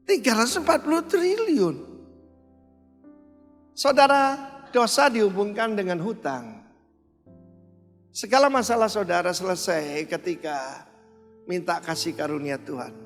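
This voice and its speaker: Man preaching, high voice, long hall reverb, faint music behind. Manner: animated preaching with sudden loud outbursts. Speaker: pastor. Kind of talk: sermon.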